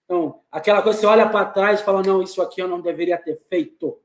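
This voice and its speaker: A man's voice: high-pitched, fairly even intonation, rapid-fire, echoey room. A Brazilian man moderating a panel, informal and restating his questions. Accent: Brazilian Portuguese.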